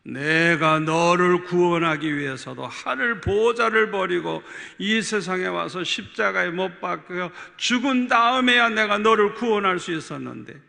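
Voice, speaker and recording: A male pastor quoting the Lord's words to him in a slow, grave sermon voice. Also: high-pitched, creaky, sharp tone, heavily acted. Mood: solemn. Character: solemn voice of the Lord, male, grave. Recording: long hall reverb.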